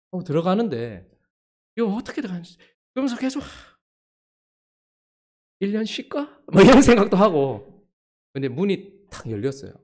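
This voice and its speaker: A male pastor preaching in a church, his voice sitting a little high for a man and swinging widely up and down. He tells a personal story with animation and acts out the people he quotes. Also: a little mellow.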